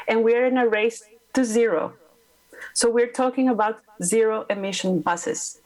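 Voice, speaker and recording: A woman's voice: mid-range voice, rough recording. Emphatic Costa Rican woman speaking on a panel. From Costa Rica. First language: Spanish. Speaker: panelist, climate advisor. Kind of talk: panel discussion remarks.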